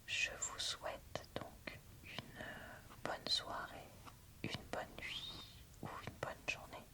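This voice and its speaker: A woman whispering an ASMR book review in a soft, breathy, informal and slightly hesitant way. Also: very slow.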